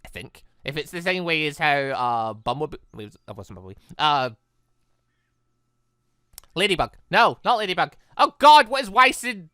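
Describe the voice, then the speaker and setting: Bright, lively, rambling gamer commentary. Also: medium pitch, moderate pace, clean tone, no echo, clean studio sound. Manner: rambling, self-interrupting, excitable. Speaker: game streamer reading a visual novel aloud. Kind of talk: casual let's play commentary.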